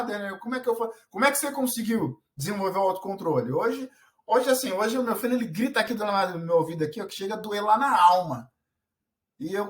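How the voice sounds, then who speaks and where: A man from Brazil gives parenting advice straight to camera in a casual, earnest way. He often restarts his sentences and fills pauses as he goes. His voice sits fairly high for a man. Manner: earnest, many restarts and filler words. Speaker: parenting vlogger.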